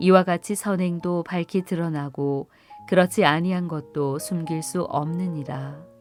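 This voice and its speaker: Over music in the background, a woman with a fairly low pitch and ordinary pitch variation speaks at a fairly slow pace. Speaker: announcer. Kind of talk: scripture reading.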